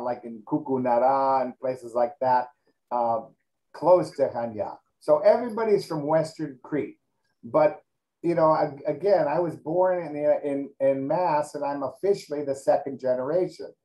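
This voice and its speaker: A middle-aged man whose first language is Greek, reflecting in an oral history interview, halting and restarting often. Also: medium pitch, warm tone, low-quality recording.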